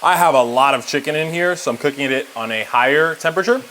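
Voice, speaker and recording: Talking fast in a fairly high, pushed and bright voice, a home cook runs through a recipe over slight background noise. His manner is chatty and instructive, aimed directly at viewers as he explains each step.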